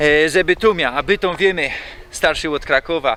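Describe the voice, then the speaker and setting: Over noticeable background noise, a man with a Silesian accent speaks at a moderate pace. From Katowice, Upper Silesia. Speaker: travel vlogger. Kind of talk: casual talk to camera.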